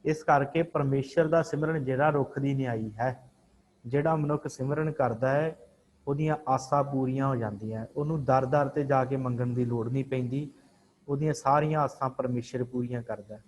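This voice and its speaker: A man teaching an online scripture class, slowly intoning each verse and then explaining it, repeating how words should be pronounced. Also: medium pitch, fairly even intonation, slight background noise, rough recording.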